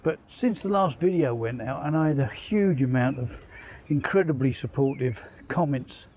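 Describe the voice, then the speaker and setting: A man's voice: medium pitch, animated, moderate pace, a little mellow, a little hiss or hum. A man chatting to camera outdoors with dry, self-deprecating humour. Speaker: angler vlogger. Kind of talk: casual chat to camera.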